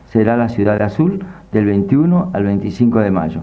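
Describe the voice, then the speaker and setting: A man with a medium pitch talks at a fairly quick pace. Audible room echo and noticeable background noise are present. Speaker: sociologist and educator. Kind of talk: radio interview.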